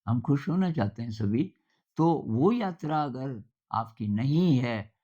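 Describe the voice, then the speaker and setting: Older man giving a relaxed spoken talk. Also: mid-range voice, lo-fi sound. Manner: conversational and anecdotal, with thoughtful pauses. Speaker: speaker giving a talk on simplicity.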